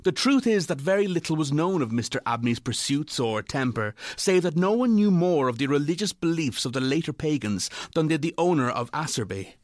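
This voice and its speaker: A man narrating a classic literary ghost story from a script in a measured, deliberate way. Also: on the high side, expressive, no room sound, studio quality.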